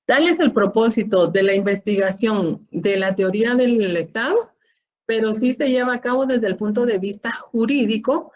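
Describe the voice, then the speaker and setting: A woman's voice: fairly high pitch, moderate pace, darkish tone. Guatemalan woman lecturing with lo-fi sound. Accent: Guatemalan Spanish. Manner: explanatory, frequent tag questions and fillers. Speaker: university law lecturer. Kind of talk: online class lecture. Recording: dull lo-fi audio.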